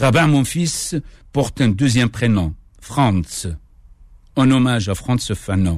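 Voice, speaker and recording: In an Algerian accent, a man speaks at a very slow pace with long, frequent pauses, lively intonation and very even loudness. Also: medium pitch for a man. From Kabylie, Algeria. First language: Kabyle (speaking French). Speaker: poet. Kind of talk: radio interview. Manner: halting.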